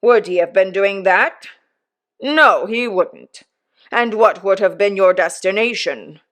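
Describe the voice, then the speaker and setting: A woman voicing a pompous, self-satisfied older uncle who lectures slowly and emphatically. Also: mid-range voice, fairly bright tone. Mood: pompous lecturing.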